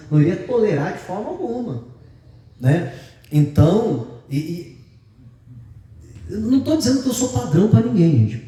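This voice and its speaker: Lively Brazilian pastor in an echoey church. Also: male voice, sits high, distant mic. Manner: chatty, joking, animated storytelling. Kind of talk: sermon. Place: large church sanctuary.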